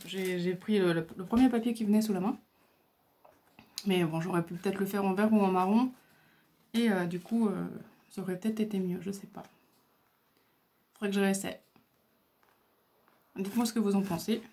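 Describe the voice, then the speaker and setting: A woman's voice: medium pitch, steady tone, normal speed, long pauses, warm tone. A woman chatting casually as she shows off her craft supplies, hesitant and full of fillers, recorded at home on a camera mic. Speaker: crafting video host. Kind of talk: casual show-and-tell.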